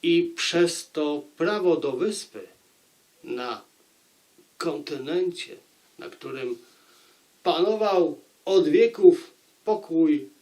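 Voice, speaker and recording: A man giving a book review to viewers, phrasing deliberately like a storyteller, with pauses. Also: on the high side, animated, darkish tone. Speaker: book reviewer and audiobook narrator.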